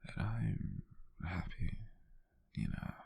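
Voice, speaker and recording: A British man playing a gentle, doting, softly teasing lover in an intimate, breathy, gravelly ASMR whisper, speaking slowly and soothingly. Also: fairly low pitch, steady tone, exaggerated voice. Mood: content, affectionate. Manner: slow, soothing, with soft pauses.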